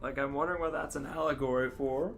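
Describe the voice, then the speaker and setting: A man's voice: medium pitch, fairly even intonation, fast, a bit bright. A man co-hosting a podcast in casual comedic chat. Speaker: podcast co-host. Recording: music behind the voice. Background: music.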